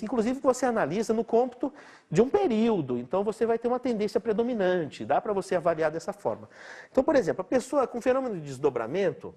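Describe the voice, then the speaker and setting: A man's voice: high voice, darkish tone, slightly rough. A middle-aged man from Brazil giving a chatty, informal lecture, laughing often and asking his listeners rhetorical questions. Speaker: doctor lecturing.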